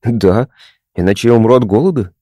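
A man voicing a touchy young male patient who talks matter-of-factly and takes offence quickly. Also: medium pitch, very animated, mellow, no room sound, clean studio sound.

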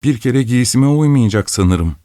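A man's voice: lowish voice, fairly even intonation, brisk, dark tone, clear, resonant tone, no echo, clean studio sound, lightly acted. A man voicing a spoiled young woman in a storybook reading, speaking with scornful dismissiveness. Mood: dismissive. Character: haughty spoiled young woman, professor's daughter.

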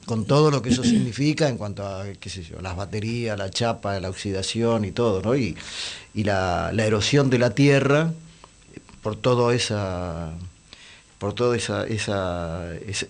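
A man, hoarse and losing his voice, chatting on radio with many pauses and fillers. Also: on the low side, expressive. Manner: hesitant, many fillers and restarts. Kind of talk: casual radio chat.

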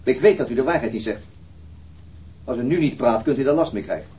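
A brisk, methodical male detective, played by a radio actor, with a mid-pitched voice. He speaks quickly and politely, matter-of-fact and persistent, as in a radio drama. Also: expressive, warm tone, close to an everyday voice. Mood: firm, pressing. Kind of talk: Dutch radio drama acting.

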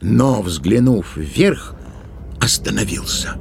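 Man, scripted literary narration, storyteller, lowish pitch, gravelly fry, faint background noise. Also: lively intonation, slow.

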